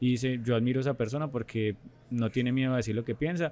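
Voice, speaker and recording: In a Tolima accent, a man speaks at a medium pitch. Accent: Tolima Colombian accent, noticeable. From Colombia, Tolima (Ibagué). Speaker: stand-up comedian. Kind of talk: podcast interview.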